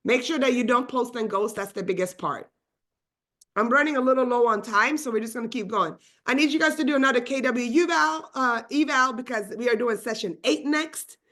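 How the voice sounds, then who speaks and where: A woman whose first language is Swedish, leading a live online training session in a fast, energetic and chatty way, full of asides. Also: fairly high pitch. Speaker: real estate trainer.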